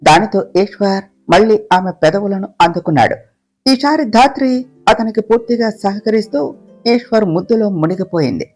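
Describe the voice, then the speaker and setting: A storyteller reading a romance story aloud in a slow, even, gentle way. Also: medium pitch, faint music behind. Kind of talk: scripted narration of a romance story.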